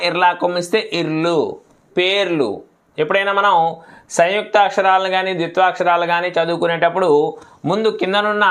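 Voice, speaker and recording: A man teaching reading, spelling out words syllable by syllable in a patient, slow lesson and repeating each finished word. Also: sits high, a bit bright, smooth.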